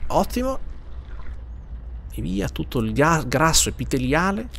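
A man gives live commentary on a horror game, his pitch leaping around as he mutters, repeats phrases and swears under his breath. A faint hiss of noise sits behind his voice. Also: sing-song, unhurried, gravelly, a bit bright. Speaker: streamer playing a horror game.

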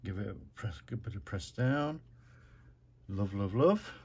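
Talking himself through each step of a card-making tutorial at his craft desk, this British man sounds relaxed and self-deprecating. His fairly low, slightly rough voice moves a little slowly.

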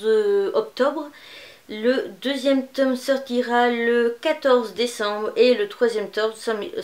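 A woman presenting manga in a casual unboxing vlog, chatty and rambling, with many fillers. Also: a little high. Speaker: manga YouTuber.

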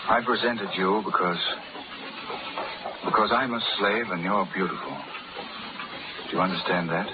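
An actor playing a bold, sardonic Irish rebel doctor in 1930s radio drama style. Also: male voice, deep voice, fairly even intonation, normal speed, natural voice. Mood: brooding, guarded. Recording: crackly 1930s live radio, tinny, audience noise. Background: loud audience and crackle.

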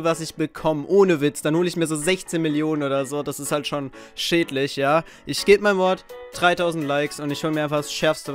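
A young man chatting casually to his viewers as a gaming YouTuber. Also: fairly high pitch. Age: teenager to young adult. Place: small attic bedroom. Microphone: microphone on boom arm.

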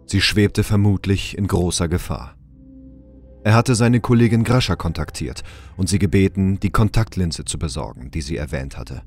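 A man narrating a sci-fi crime audio drama in a measured, serious, scripted storytelling style. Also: low-pitched. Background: music.

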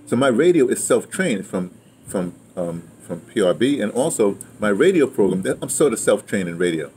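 A man of about seventy, reminiscing casually in a rambling, halting way, circling back to his point. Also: on the low side, very animated, a little mellow. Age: around 70. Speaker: interviewee, theater and radio drama veteran. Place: outdoors in a yard beside a house. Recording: clear outdoor ambient noise.

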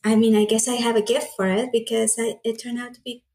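A woman from Honduras, a native Spanish speaker, talking in an interview in a soft-spoken, slightly nervous way. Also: on the high side, little pitch movement, quick pace. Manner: soft-spoken, a little nervous, laughs lightly. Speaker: interview guest. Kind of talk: casual interview.

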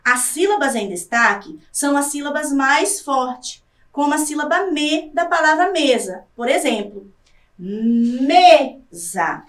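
A woman with a Brazilian Portuguese accent teaching a scripted televised lesson, drawing out example words slowly to stress syllables. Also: sits high, animated, a bit bright, reverberant, distant mic.

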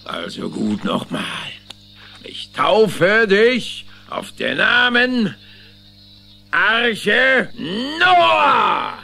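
Casting: a blustering, fond boss-like God for a children's film, highish pitch, animated delivery. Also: male voice, very slow, creaky, soft background music, heavily acted. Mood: solemn. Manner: pompous, blustering, old-fashioned turns of phrase. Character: God as impatient, scolding yet fond boss.

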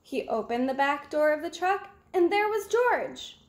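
Young woman reading a picture book to little kids, high voice, unhurried, bit echoey room. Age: 20s. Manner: simple, expressive, addressing young children. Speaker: read-aloud storyteller. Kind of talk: children's picture book read-aloud. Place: small room at home, indoors. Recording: roomy home recording.

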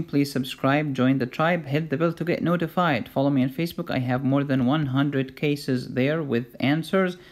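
Egyptian man giving a lively medical lecture. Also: medium pitch. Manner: jokey, emphatic teaching with rhetorical questions. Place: voice-over recorded for a drawn lecture video.

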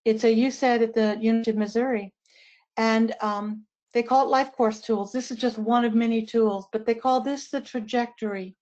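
A woman's voice: fairly high pitch, fairly even intonation, normal speed, darkish tone. A middle-aged woman from West Virginia, raised in Ohio, giving a friendly, conversational webinar presentation with casual asides. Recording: dull lo-fi webinar audio.

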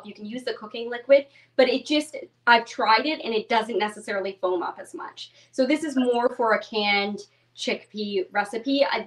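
Bubbly young woman, distant kitchen mic. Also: a little high. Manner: bubbly, chatty, many "like" fillers. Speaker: cookbook author demonstrating a recipe. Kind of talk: live cooking demo. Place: home kitchen, indoors. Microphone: video call webcam at a distance.

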